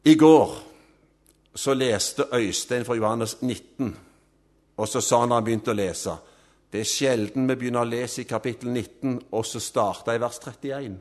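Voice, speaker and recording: Emphatic male preacher in sermon. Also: steady tone. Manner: emphatic, with swells of loudness and soft low endings.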